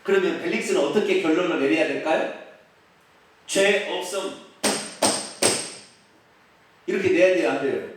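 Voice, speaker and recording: A man, a pastor, preaching an expository sermon with animated delivery, asking the congregation questions and acting out quotes. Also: on the high side, very fast, a little hiss or hum. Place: church sanctuary. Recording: echoey church hall, mic at a distance.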